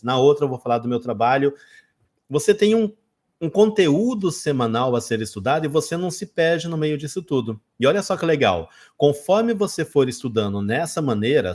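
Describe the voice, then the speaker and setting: A man's voice: medium pitch, a little mellow. A man from Brazil giving a casual spoken English lesson, talking straight to viewers and acting out his own learner mistakes. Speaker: English teacher.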